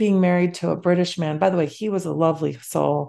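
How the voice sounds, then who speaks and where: In an American accent, the voice comes across dark and mellow in tone. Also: woman. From US Midwest. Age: 50s. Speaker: psychiatrist. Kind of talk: interview.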